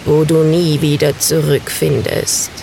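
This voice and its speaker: A menacing black bird croaks his demands, voiced by a woman reading a fairy tale. The voice sinks low and crawls along slowly, each threat drawn out. A faint vehicle hum sits behind it. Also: little pitch movement, mellow.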